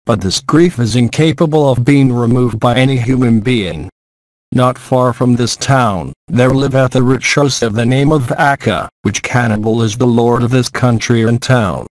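A man's voice: mid-range voice, no echo, close to an everyday voice, low-quality recording. A man reading as a grieving old Brahmana. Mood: solemn. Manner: solemn measured archaic speech. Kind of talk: audiobook reading.

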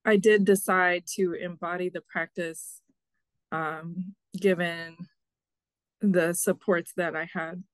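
A young woman, a lay Zen teacher on a video call, answering slowly and thoughtfully with a hoarse voice. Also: on the low side, steady tone, no echo. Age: young adult. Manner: slow, thoughtful, hesitant. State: hoarse, coughing.

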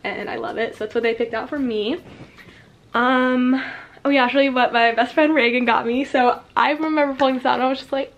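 A sixteen-year-old girl chatting casually and bubbly in a vlog, talking so fast she runs out of breath and saying "like" a lot. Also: sits high, steady tone, highs cut off. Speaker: vlogger. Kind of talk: casual chat.

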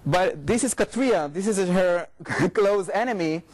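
High-pitched Israeli man giving a lecture. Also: animated. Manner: informal, halting, frequent repetitions and self-corrections. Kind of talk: academic talk with slides. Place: lecture room, indoors.

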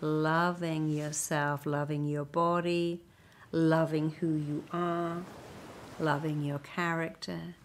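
A woman with an English accent leading a guided meditation, speaking slowly and soothingly, sometimes dropping into a breathy near-whisper. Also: deep voice, flat delivery, a little hiss or hum. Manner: slow, soothing, breathy at times. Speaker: hypnotherapist guiding a meditation.

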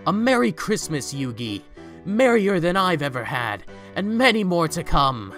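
A man's voice: fairly high pitch, sing-song, measured pace, fairly bright tone, soft background music. A man playing a giddy, generous reformed rich man in an audio drama, exclaiming in formal old-fashioned phrases. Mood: warm. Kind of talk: fan audio drama acting.

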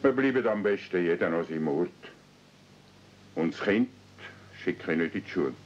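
An actor playing a stubborn, embittered old mountain recluse in a radio play, blunt and weighty, with a Swiss German accent. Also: male voice, low-pitched, animated, moderate pace, slight background noise. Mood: resolute, bitter. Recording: dull 1970s radio-play recording.

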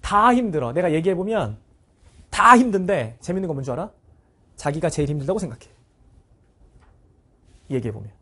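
Guy teacher giving students a blunt pep talk, husky voice, pitch jumps all over. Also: fairly bright tone. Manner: blunt, casual, scolding; acts out students' voices in short bursts. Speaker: Korean-language cram school teacher.

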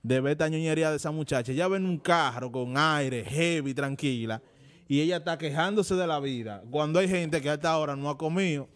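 A man's voice: fairly high pitch, a little fast. A man with a Dominican Spanish accent co-hosting a talk show, scolding and indignant in a studio debate, stumbling over his words as he tells anecdotes.

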